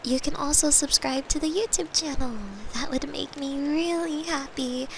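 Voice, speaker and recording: A woman with a fairly high voice talks casually to her audience as an audio roleplay creator. It is an informal channel sign-off. There is slight noise behind her. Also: steady tone, moderate pace.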